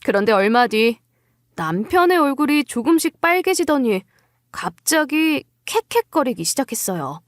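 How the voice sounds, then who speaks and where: A woman playing a wary, quietly cunning young wife, telling her story in scripted first-person narration with composed politeness. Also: high-pitched, sing-song, moderate pace, no echo, studio quality. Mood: wry, confiding.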